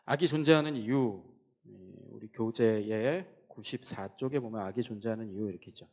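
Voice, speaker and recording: A male pastor preaching a teaching sermon in church, posing questions to the congregation and answering them, at times rising to loud, high emphasis. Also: moderate pace, gravelly, husky.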